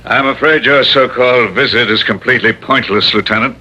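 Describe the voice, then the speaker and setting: An actor in an old-time radio drama playing a suave, haughty jewel thief with pompous, precise and formal diction. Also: male voice, mid-range voice, fairly quick, bright, forceful tone, slightly rough, highs cut off. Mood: coolly scornful.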